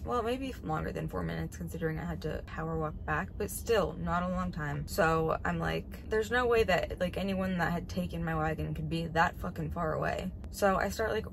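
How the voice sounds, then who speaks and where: A woman's voice: fairly low pitch, creaky, slight background noise, poor audio. A woman in her late twenties telling a story in a parked car, rambling and profane with sarcastic asides, filmed on a phone at arm's length. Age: 20s. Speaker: vlogger. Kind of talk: casual storytime monologue. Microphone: phone camera at arm's length.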